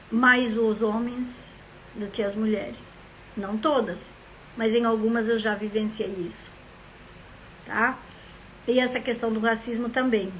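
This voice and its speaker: A woman's voice: a little high, a little hiss or hum, rough recording. A woman from southern Brazil hosting a live stream, greeting viewers by name and drifting into reflective, rambling talk. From Rio Grande do Sul, Brazil. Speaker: live stream host, member of a literary academy.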